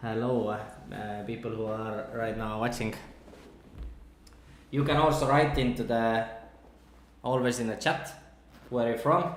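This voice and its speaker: Speaking with a non-native accent, a man talks at a fairly slow pace with long, frequent pauses and ordinary pitch variation. There is audible room echo. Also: medium pitch for a man. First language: not English. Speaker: forex trading streamer. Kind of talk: live stream chat. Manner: halting.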